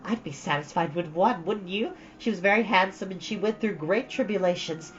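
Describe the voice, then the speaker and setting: A woman's voice: mid-range voice, moderate pace, lightly acted. A woman voicing a dreamy, romantic, chattering young girl in a storybook, gushing with dramatic earnestness. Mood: proud, enchanted. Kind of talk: storybook read-aloud. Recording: dull, lo-fi, faint background noise.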